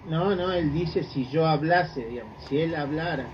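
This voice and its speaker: A man's voice: fairly high pitch, normal speed. A man, new to the faith, joining a Bible study discussion and hesitantly searching for words. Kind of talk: group discussion. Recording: dull, noisy room recording.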